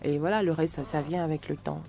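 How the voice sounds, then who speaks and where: A woman guest on a radio talk show, talking casually and halting, repeating words as she searches for them. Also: low-pitched, steady tone, creaky, warm tone. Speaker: singer, studio guest. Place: radio studio.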